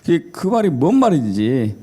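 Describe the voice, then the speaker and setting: A man's voice: fairly high pitch, very animated, unhurried, warm tone, husky. A male pastor giving a Sunday sermon in a jokey storytelling way, mimicking regional dialects. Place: church service.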